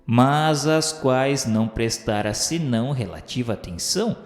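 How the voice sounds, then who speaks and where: A man with a Brazilian accent acting as a solemn, remorseful scholar's spirit, narrating a radio drama in measured, literary phrasing. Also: medium pitch, expressive. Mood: reflective, contrite. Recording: echoey hall reverb under music. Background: music.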